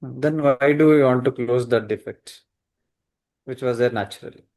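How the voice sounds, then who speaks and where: Male medical examiner, South Asian accent, mid-pitched voice, insistent teaching style on an online call. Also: moderate pace, a little mellow. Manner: insistent, repeats questions, checks with "correct?". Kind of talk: teaching and questioning. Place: webinar call.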